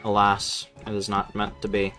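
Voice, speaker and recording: A man's voice: fairly low pitch, monotone, normal speed, sharp tone, soft background music. A man streaming a video game, chatting casually with viewers in a sweary, rambling way and often repeating himself. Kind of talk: casual live stream chat and gameplay commentary.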